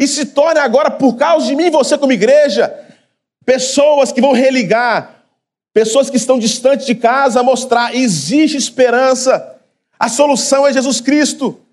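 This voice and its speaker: A man speaks with extremely high pitch for a man. His pace is moderate and his intonation fairly even. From Northeast Brazil, Recife. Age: 30s. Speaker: pastor. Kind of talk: sermon. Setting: church.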